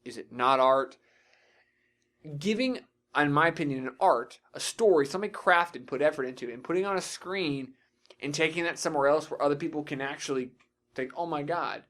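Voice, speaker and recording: A man's voice: fairly high pitch, moderate pace, a bit bright. A young man hosting a casual podcast discussion, swearing freely and giving blunt opinions. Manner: profane, opinionated. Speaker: podcast host.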